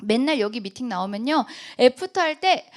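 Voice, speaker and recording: Animated woman telling a sales story. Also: a little high, normal speed. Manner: animated storytelling, acts out quoted dialogue. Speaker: guest speaker. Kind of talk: motivational sales talk.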